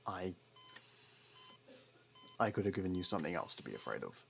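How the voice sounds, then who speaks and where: A man playing a gruff, guarded convict who hides a fondness for a detective partner, speaking hesitantly and defensively in an intimate audio roleplay. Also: sits low, sing-song, fairly quick, a bit bright, soft background music, exaggerated voice. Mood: softening, teasing. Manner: defensive, hesitant, sardonic, with stammered denials.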